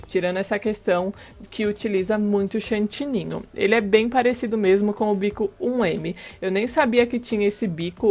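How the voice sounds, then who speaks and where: The host of a cake decorating channel, a Brazilian-accented woman in her thirties, gives a casual tutorial on a lapel mic with music playing behind her. Her voice sits at medium pitch with a darkish tone.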